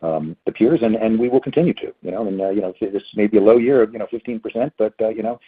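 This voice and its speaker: Male executive, quick but halting and repetitive, on a tinny phone-grade earnings call line. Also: on the low side, breathy edge. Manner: halting, hesitant, repeats words. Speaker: company executive answering analysts. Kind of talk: earnings call question and answer. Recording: phone-like narrow band conference call.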